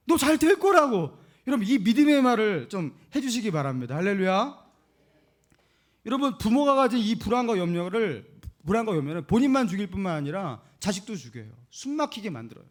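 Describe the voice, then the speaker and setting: Male pastor in a church, high animated voice, emphatic preaching. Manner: emphatic preaching with calls to repeat after him; acts out scolding parents in a raised voice. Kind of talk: sermon. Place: church sanctuary.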